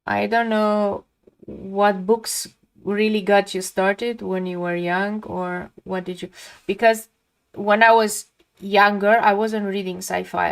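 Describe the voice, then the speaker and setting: A woman's voice: mid-range voice, vocal fry. A woman from Romania, speaking English as a second language, chatting casually and reflectively while she paints on a live stream, often trailing off mid-sentence.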